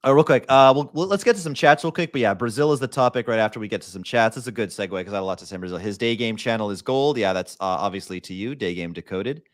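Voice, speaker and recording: A man's voice: on the low side, quick pace, hardly any pauses, no room sound, studio quality. A man hosting a casual livestream, talking in blunt, slangy bro speak with some swearing. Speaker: host of a livestream show.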